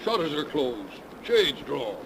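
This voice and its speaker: A man's voice: on the high side, big pitch swings, slow pace, exaggerated voice. A middle-aged man playing a curt, skeptical police lieutenant, in 1930s radio drama style. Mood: brusque. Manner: curt, dismissive. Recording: scratchy 1930s radio recording.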